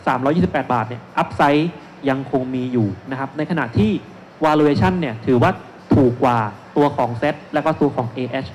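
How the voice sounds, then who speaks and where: Speaking at a moderate pace in a voice on the high side, a man in his thirties gives an investment seminar presentation as a securities analyst on a panel. He's on an indoor stage at a shopping mall expo, using a handheld mic and explaining step by step with many polite particles, and the live event sound is noisy.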